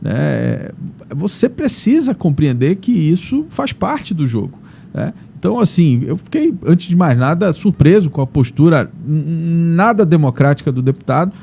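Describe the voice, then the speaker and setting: A man's voice: fairly high pitch, sing-song, normal speed, gravelly, dark tone, slight background noise. A man hosting a morning news show, commenting in a conversational way, often tagging his sentences with questions. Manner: conversational, frequent "né?" tags and repetitions. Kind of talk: casual on-air commentary.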